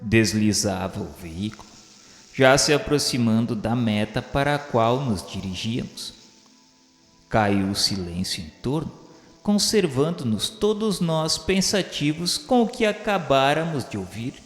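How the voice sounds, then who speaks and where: A man playing the solemn spirit of a dead man, recounting his memoirs in declamatory radio drama narration with dramatic pauses. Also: mid-range voice, lively intonation. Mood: pensive. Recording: echoey long reverb over music. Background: music.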